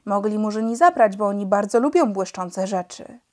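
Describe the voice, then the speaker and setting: A woman voicing a calm, practical male officer who speaks in a matter-of-fact way. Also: medium pitch, normal speed, natural voice. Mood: reasoning.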